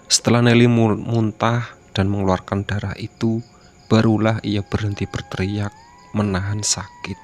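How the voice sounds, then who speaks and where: A man with a low voice reads a horror story aloud as scripted narration. He keeps an even, level delivery and his pitch barely moves. A faint hiss runs under the recording. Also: normal speed. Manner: steady, even reading delivery.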